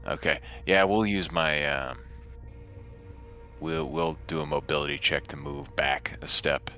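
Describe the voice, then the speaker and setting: Male player, extremely deep yet bright, hesitant casual table talk, muffled recording with faint music. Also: fairly even intonation, unhurried. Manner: hesitant, thinking aloud. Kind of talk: casual game-table chat.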